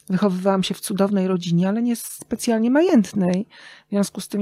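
A middle-aged woman talking casually and reflectively as a podcast guest, telling stories expressively with thoughtful pauses. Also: fairly low pitch, dark tone, no room sound. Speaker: interview guest, radio journalist and writer.

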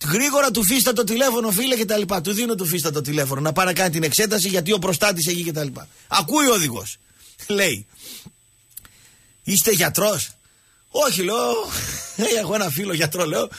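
A man hosting a radio show, telling jokey stories and talking with callers in an animated way. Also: high voice, husky, no echo, clean studio sound. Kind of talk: casual radio talk.

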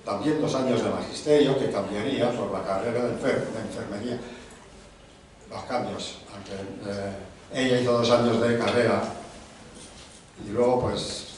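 A middle-aged man at a book launch introduces an author from a table microphone, listing her career item by item with small restarts. His voice sits at an ordinary middle pitch. It comes from a step back from the mic in a very echoey hall with a faint hum of noise. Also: steady tone, far from the mic. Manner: reads a long biography in measured lists, with small hesitations and restarts. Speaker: event host presenting an author. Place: large conference room, seated at a panel table.

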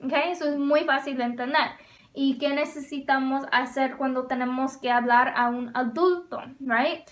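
A woman's voice: high-pitched, steady tone. A woman teaching an English lesson in Spanish, explaining carefully and often checking that the listener follows while switching between the two languages. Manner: slow, careful explaining with frequent check-ins; mixes Spanish and English mid-sentence.

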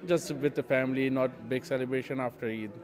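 Guy from pakistan, halting and cheerful, mid voice. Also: medium pitch, fairly even intonation, a crowd in the background. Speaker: interviewee at a celebration. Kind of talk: street interview.

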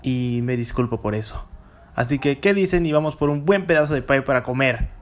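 A man's voice: medium pitch, fairly quick, slight background noise, close to an everyday voice. A man voicing a cocky, dramatic young hedgehog hero in a cartoon fan dub, with a theatrical delivery. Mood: sincere apology. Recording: music behind the voice.

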